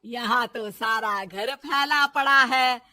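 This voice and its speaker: A woman voicing a bossy, sharp-tongued middle-aged mother-in-law in a cartoon, scolding and taunting. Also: a little high, slow, heavily acted. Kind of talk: cartoon voice acting.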